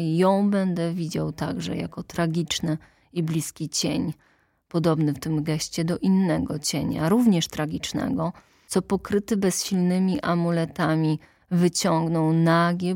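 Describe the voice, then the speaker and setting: A woman reading a classic novel aloud as an audiobook narrator, measured and somber. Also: low-pitched, vocal fry, darkish tone, no room sound, clean studio sound. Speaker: audiobook reader.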